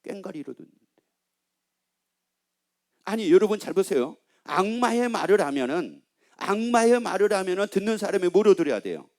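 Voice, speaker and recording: Male pastor, sermon delivery, quizzes the congregation and teases them; high, animated voice. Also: moderate pace, long pauses. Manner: asks the congregation questions and repeats answers back; teasing, playful asides.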